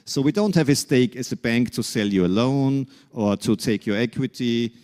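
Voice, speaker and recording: A man from Austria with an Austrian accent giving a conference keynote, halting with many fillers and restarts, and wry self-deprecating humor. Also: mid-range voice, lively intonation, a little mellow. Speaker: keynote speaker.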